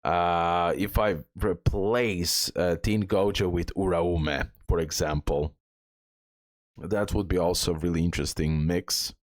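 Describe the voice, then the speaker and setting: Low-voiced man, slow gameplay commentary. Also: no echo, studio quality. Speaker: gaming guide creator, host. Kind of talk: casual gameplay walkthrough commentary.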